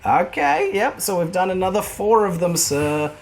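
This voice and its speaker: A man, hosting and playing a tabletop wargame, excitable and quick to laugh. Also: high-pitched, a little hiss or hum. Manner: excitable, exclaims and laughs often. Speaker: wargame player and channel host. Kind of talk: casual tabletop game commentary.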